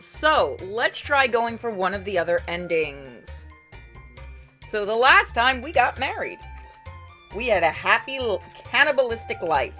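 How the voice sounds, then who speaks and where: A woman reading game text aloud and reacting casually, with a playful, expressive manner. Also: medium pitch. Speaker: game streamer.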